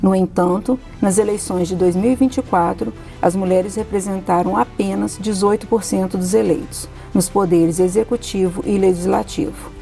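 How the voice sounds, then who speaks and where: Casting woman, documentary narrator, gravelly mellow tone, faint music under. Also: medium pitch, normal speed, few pauses. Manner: steady, formal delivery. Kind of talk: scripted narration.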